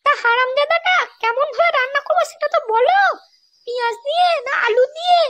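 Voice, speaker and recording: A performer voicing a sharp-tongued young wife in a comedy cartoon, crude and taunting, with a West Bengal accent and a pitched-up voice. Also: brisk. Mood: irritated. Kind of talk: amateur comedy cartoon dialogue.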